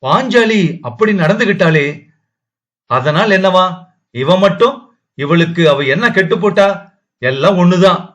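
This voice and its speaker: A man's voice: sits high, expressive, unhurried, long pauses, fairly bright tone, pitched above the performer's own voice. A man doing a slurring drunk rickshaw man. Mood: slurred muttering. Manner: slurred, mocking speech. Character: drunk young rickshaw man, bitter and mocking. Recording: dull lo-fi audio.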